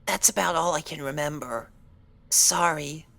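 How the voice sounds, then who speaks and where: Voicing the same meek, injured young filly in a fan fiction dramatization, a woman uses a low, gravelly voice that is pushed and bright. She performs a full character voice, a little slowly, with hesitant, anxious pleading.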